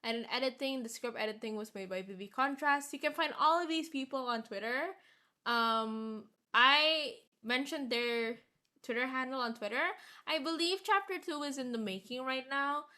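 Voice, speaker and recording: A woman's voice: high voice, normal speed, sharp tone. A woman game streamer reading visual novel narration aloud and commenting casually. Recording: music behind the voice. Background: game music.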